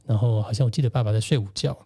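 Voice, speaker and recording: Reflective man, mellow tone. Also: medium pitch, racing, husky. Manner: reflective, gentle, recounts childhood memories. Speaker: guest and co-host, facilitator. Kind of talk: casual personal storytelling.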